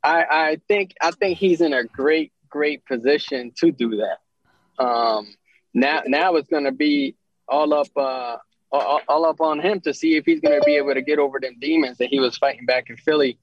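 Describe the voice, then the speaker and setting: A man calling in to a casual sports chat, talking haltingly with many pauses. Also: a little high, no echo, lo-fi sound. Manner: halting, many ums and restarts. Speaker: podcast co-host calling in.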